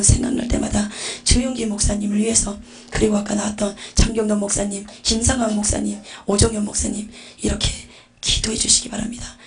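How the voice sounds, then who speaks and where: A woman giving a fervent religious testimony, telling it dramatically and dropping into whispered asides. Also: medium pitch. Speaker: testimony preacher.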